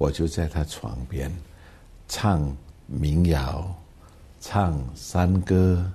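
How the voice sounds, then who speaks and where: A man speaks very slowly in a very deep, low, somewhat breathy voice. His pitch varies in an ordinary way, and he leaves long, frequent pauses. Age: 70s. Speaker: businessman and philanthropist. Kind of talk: interview.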